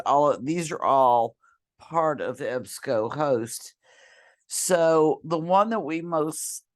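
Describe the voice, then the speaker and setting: A woman who has lost her voice guides a student through a database in a screen-share tutorial, hoarse and whispery, clearing her throat and apologizing. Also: low-pitched. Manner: slow, halting, clears throat often, apologetic. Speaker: college librarian or instructor.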